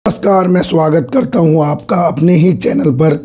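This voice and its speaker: A hoarse man with a cold hosting his own stock market channel, chatting casually to viewers, addressing them as sir and repeating his phrases. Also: fairly high pitch, normal speed, warm tone. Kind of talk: casual market commentary to camera.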